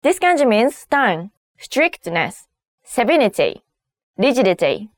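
A woman hosting a scripted language lesson, presenting words one at a time in a clear teaching style. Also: on the high side, big pitch swings, unhurried, a little hiss or hum. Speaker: host of a kanji lesson series.

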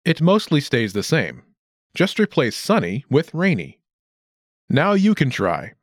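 A male lesson narrator with a lively, varied pitch and very dry studio sound. He reads scripted instructions in a deliberate, carefully enunciated way. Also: no echo.

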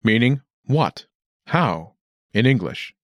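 A man narrating a scripted language lesson as an instructor, enunciating clearly and deliberately. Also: mid-range voice, big pitch swings, no room sound, studio quality.

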